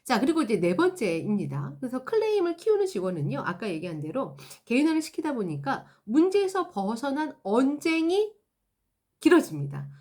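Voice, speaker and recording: Woman trainer explaining complaint handling, fairly high voice, lots of melody. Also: brisk. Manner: animated, acts out example dialogues. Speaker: customer service trainer. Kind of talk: instructional talk.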